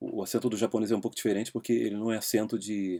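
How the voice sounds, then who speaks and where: Fairly low male voice with a Brazilian accent, dark and mellow in tone, at a moderate pace. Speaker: language teacher. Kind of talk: casual chat. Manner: halting.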